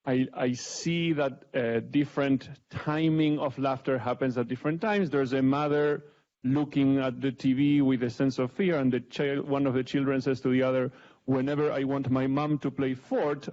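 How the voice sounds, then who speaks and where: A middle-aged Argentine man with an Argentine Spanish accent and a mid-range, darkish voice gives a public talk with slides to a panel audience. His delivery is conversational and self-deprecating, and the event recording sounds dull and lo-fi.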